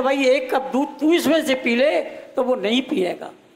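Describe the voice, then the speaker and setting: A man speaks at an extremely high pitch with ordinary pitch variation. Noticeable background noise is present. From India, Braj region (Mathura, Govardhan). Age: 70s. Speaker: local elder, debate panelist. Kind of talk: panel discussion.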